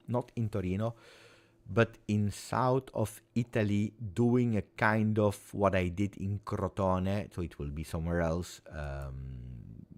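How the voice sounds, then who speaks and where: A man in his forties with a very low, deep voice talks in English, which is not his first language. He chats casually with his viewers, rambling, circling back and repeating phrases with earnest sincerity. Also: a little mellow. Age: 40s. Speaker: fan channel host. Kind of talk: casual live chat with viewers.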